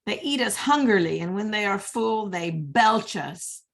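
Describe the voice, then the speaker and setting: A woman reading the part of a worldly, cynical lady's maid in a Shakespeare play, measured and knowing. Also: medium pitch, animated. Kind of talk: Shakespeare read-aloud, dramatic verse.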